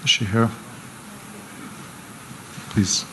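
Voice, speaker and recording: A man moderating a panel discussion, briskly calling on audience members for their questions. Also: noisy background. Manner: brisk, calls on questioners by name.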